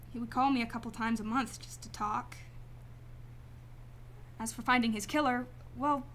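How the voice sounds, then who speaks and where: A woman playing a guarded, emotionally detached client in a radio drama, speaking formally and deliberately. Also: fairly high pitch, fairly bright tone, slight background noise, rough recording. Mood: defensive, cool. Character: cool, detached female client, guarded murder victim's sister.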